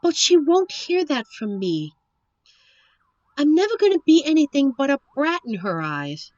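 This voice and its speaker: A woman's voice: high voice, sing-song, a little slow, darkish tone, dry recording, lo-fi sound. A woman playing a young, sheltered princess, earnest and wistful, in a dramatic audio roleplay.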